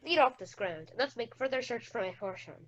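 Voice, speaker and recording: A woman's voice: fairly high pitch, animated, a little fast, fairly bright tone, lo-fi sound. A woman playing a startled, anxious king in a Shakespeare radio play. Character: startled, anxious king searching for a lost son.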